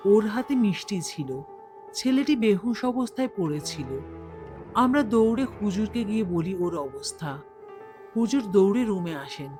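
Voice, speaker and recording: A woman's voice: medium pitch, expressive, moderate pace, mellow, faint music behind, natural voice. A woman playing an earnest young madrasa schoolboy in a cartoon. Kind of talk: scripted cartoon acting.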